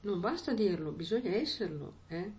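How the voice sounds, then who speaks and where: Woman preaching, chatty style, keeps asking the room "eh?", mid pitch. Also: very animated, normal speed, darkish tone. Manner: conversational, with frequent "eh?" and "no?" asides. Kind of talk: sermon.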